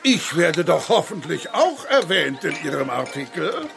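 A man's voice: a little high, very animated, measured pace, creaky, over music, full character voice. A man playing a pompous, huffy, self-important mayor in a children's audio drama. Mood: indignant, vain.

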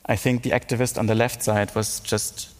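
Guy moderating a panel, lowish voice, long echoey hall, measured. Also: little pitch movement. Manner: measured, asks guests questions. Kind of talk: panel discussion.

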